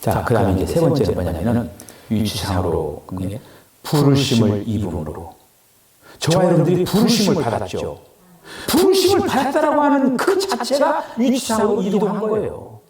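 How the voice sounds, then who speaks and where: Animated Korean preacher in echoey hall. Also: male voice, on the high side, normal speed. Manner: animated, acts out quoted voices, swings between loud and murmured. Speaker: pastor. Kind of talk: sermon. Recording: echoey room from far off.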